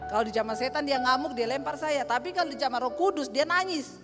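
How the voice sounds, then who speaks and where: A woman's voice: high-pitched, quick pace. A woman pastor preaching a sermon, telling stories with humor and acting out the dialogue. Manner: animated storyteller acting out dialogue, joking. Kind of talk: sermon with anecdotes. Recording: reverberant hall with music.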